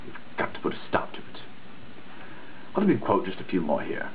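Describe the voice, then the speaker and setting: With a deep voice and huge pitch swings, a man dramatically reads a dissertation at a moderate pace. The delivery is earnest and emphatic to the point of preachiness, with occasional stumbles over words. Faint noise accompanies the tinny, phone-like sound.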